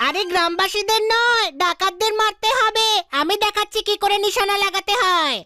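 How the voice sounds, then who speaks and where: A woman's voice: very high voice, normal speed. A woman voicing an eager, bossy young cartoon character who instructs insistently. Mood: instructive. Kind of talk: exaggerated cartoon dub. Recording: loud music over the dialogue.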